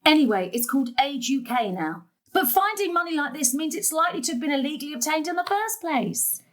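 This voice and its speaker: A woman's voice: high-pitched, very animated, a little fast. An actress playing an exasperated, principled middle-aged mother, firm and emphatic, in a stage drama.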